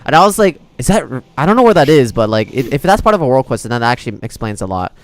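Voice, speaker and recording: A man's voice: mid-range voice, very animated, fast. A man livestreaming a video game in casual, slangy, chummy chat with his viewers. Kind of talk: casual gameplay stream chat. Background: game music.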